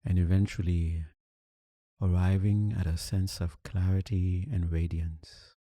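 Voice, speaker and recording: Man, very mellow dark tone, slow pace, calm meditation guidance, long pauses. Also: low voice, no echo. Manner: calm, soothing, deliberate phrasing with long pauses. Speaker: meditation teacher. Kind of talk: guided meditation narration.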